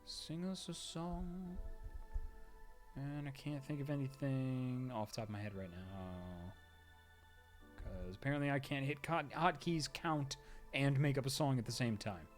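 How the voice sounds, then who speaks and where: A man's voice: medium pitch, normal speed, faint music behind. A man streaming a visual novel, chatting casually and reading the characters' lines aloud. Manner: playful, chatty, voices the characters. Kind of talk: live game stream commentary.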